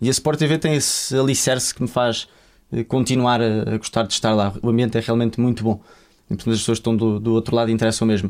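Very fast and with very even loudness, a man talks using fairly even intonation. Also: medium pitch for a man. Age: 20s. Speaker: football coach and commentator. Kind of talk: casual interview.

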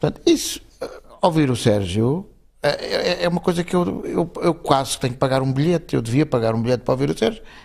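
Fairly quick delivery with vocal fry and lively intonation. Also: man, fairly high pitch for a man. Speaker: actor and comedian. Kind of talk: casual chat.

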